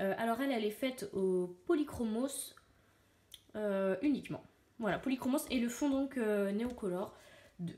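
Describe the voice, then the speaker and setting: At a fairly slow pace with long, frequent pauses, the voice has a dark, mellow tone and ordinary pitch variation. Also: woman, fairly high pitch for a woman. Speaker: coloring hobbyist youtuber. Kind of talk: casual show-and-tell vlog. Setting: at home, shutters closed. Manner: hesitant, many fillers.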